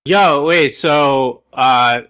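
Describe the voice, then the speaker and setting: A man with a bright, medium-pitched voice plays a tabletop game. He improvises casual chat in character, haltingly. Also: clear, resonant tone.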